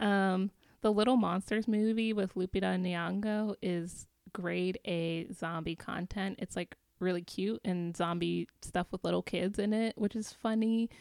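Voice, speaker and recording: Recorded dry and close with no echo, a woman speaks at a fairly slow pace at a medium pitch with ordinary pitch variation. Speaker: podcast host. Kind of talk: casual chat. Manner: animated.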